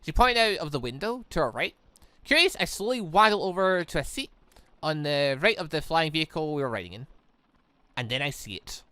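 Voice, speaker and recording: A man's voice: a little high, lively intonation, fairly quick, bright, forceful tone, smooth, dry recording. A man voicing a cheeky, harmless young man, the flippant and wry hero of a visual novel. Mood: curious.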